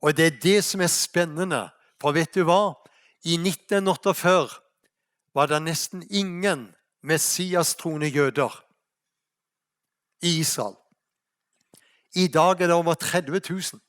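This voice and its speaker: Norwegian preacher, man, higher voice. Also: fairly bright tone. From Norway. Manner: asks the audience rhetorical questions; storytelling, slows for emphasis. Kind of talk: sermon. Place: mission hall.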